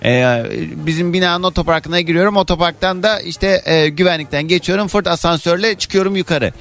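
Animated man ranting on morning radio. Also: sits high, fairly quick. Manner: animated, indignant storytelling with sound words. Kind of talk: casual monologue.

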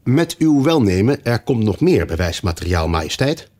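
A man's voice: fairly low pitch, big pitch swings, moderate pace, a little mellow. A man voicing a nervous, overly polite white rabbit herald in a storybook reading. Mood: flustered.

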